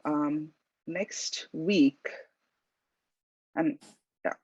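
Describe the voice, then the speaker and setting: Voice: medium pitch, a little mellow, no echo. A host moderating an online panel, speaking politely and formally with some fillers. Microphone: video call. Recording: dry, dull video call audio.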